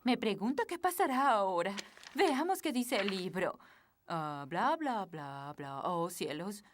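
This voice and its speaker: A woman's voice: mid-range voice, sing-song, unhurried, a little hiss or hum. A woman voicing a bossy, overconfident fairy nanny in a children's cartoon, with a Latin American Spanish accent and a fussy, theatrical delivery. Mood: fussy, matter-of-fact. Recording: music behind the voice.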